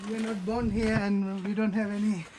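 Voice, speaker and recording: A young man with a Sri Lankan accent, a shopkeeper chatting in halting English and laughing often. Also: high-pitched, little pitch movement. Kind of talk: casual chat. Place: small corner shop. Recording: picked up off-mic by a body cam, noisy.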